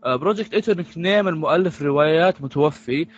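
Male podcast co-host, quick and rambling, somewhat high-pitched. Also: muffled recording. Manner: rambling, with frequent restarts. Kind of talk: casual podcast chat.

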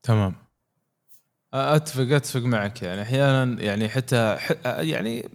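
A man's voice: medium pitch, moderate pace. A man talking on a podcast in a hesitant way, full of fillers and restarts. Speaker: podcast co-host. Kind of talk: casual podcast discussion.

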